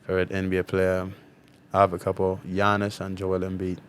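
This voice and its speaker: A young man from South Sudan whose first language is Dinka, answering interview questions in a relaxed way with many fillers. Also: low voice, a little fast, a little hiss or hum. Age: young adult. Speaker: college basketball player, guest.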